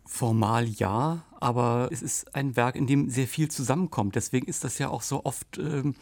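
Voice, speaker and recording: A male critic with a mid-range voice that has a strong gravelly edge. He weighs his answer deliberately and analytically, pausing on fillers, and is recorded close and dry. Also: mid-range voice, a little mellow, dry recording. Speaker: music critic on a panel. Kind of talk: spontaneous discussion.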